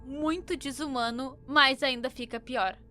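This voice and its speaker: A woman's voice: high voice, fairly even intonation, measured pace, over music. A young woman with a Brazilian accent recapping a story in casual commentary, with informal, opinionated asides. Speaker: YouTube commentator.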